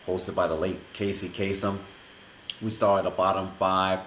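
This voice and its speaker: A man's voice: on the low side, a little hiss or hum. A man hosting a podcast interview, explaining a countdown segment in an announcer-like, list-reading way. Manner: announcer-like, reads a long list of questions. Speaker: podcast host. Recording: echoey room.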